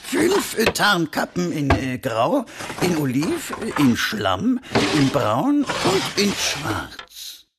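Storybook hatmaker, very slow, hesitant, swooping intonation a man voicing him. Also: a little high, huge pitch swings, heavy background noise, pitched above the performer's own voice, full character voice. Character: kindly hesitant old hatmaker.

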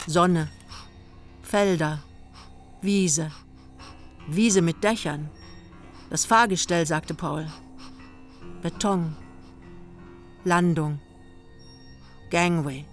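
A woman's voice: on the low side, extremely slow, long pauses, soft background music. An older woman narrating a radio play in clipped, terse literary prose.

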